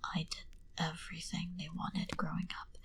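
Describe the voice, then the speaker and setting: A woman voicing a proud, menacing vampire in a whispered ASMR roleplay, speaking deliberately and condescendingly into a close binaural mic. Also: on the low side, monotone. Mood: wistful, cold. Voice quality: breathy, hushed whisper. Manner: slow, deliberate, coolly condescending to the listener. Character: proud, menacing female vampire recounting her past. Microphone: close binaural microphone.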